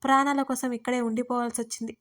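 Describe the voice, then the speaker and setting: A woman voicing a frightened, tearful young servant woman who pleads in a hushed, urgent way in an audio story. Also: on the high side, level tone, fast, close to an everyday voice. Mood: pleading.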